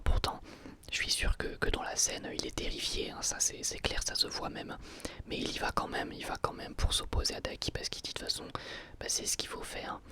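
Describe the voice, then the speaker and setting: A person giving a casual ASMR review in a soft, breathy, unvoiced whisper, hesitating and repeating words. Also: extremely high pitch.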